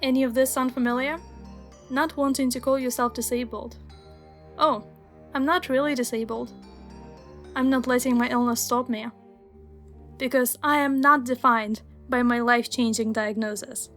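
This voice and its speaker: A woman's voice: a little high, steady tone, normal speed, long pauses, fairly bright tone, faint music behind. A young woman whose first language is Russian, narrating a scripted video essay in an earnest, wry, explanatory way. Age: young adult.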